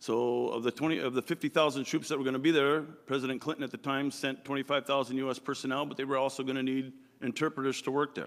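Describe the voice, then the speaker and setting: A man with a Pacific Northwest accent, medium pitch, monotone, flat intonation and a very fast pace. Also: hardly any pauses. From Washington State, Anacortes. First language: Croatian. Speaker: political candidate. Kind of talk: candidate forum speech. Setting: community forum with audience.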